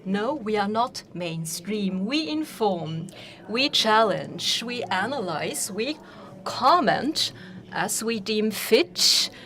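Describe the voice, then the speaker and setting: Woman conference interpreter, fairly high voice, formal and measured, keynote interpretation.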